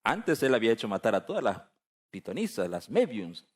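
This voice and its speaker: A man from Bolivia preaching a sermon, retelling a Bible story in an animated, dramatic way with asides to his listeners. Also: lowish voice, fairly quick.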